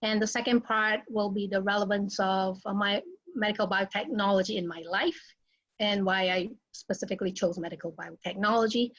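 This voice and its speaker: A woman with an American accent giving a relaxed online lecture over a video call, chatty and self-deprecating. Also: medium pitch, a little fast, muffled recording. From United States. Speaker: invited speaker, academic.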